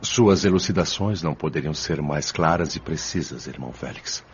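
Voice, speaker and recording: A man playing an earnest, respectful older father spirit in an audio drama, asking questions in a formal, humble manner with a husky, rough voice. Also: a bass voice, normal speed, a little hiss or hum. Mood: humble, inquiring. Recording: dull lo-fi audio.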